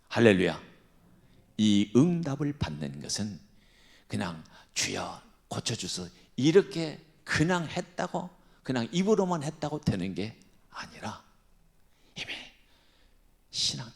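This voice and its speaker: A senior pastor, an older man, preaching a sermon with dramatic swings between loud cries and hushed whispers. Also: on the high side, creaky.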